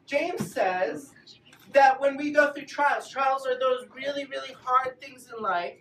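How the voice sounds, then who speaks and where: A woman teaching a children's Bible class in a playful, animated way, coaxing the kids to join in. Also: sits high, unhurried, recorded from a distance, a little hiss or hum. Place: large echoey room with a group of children. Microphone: camera at a distance. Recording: roomy echo, recorded from afar.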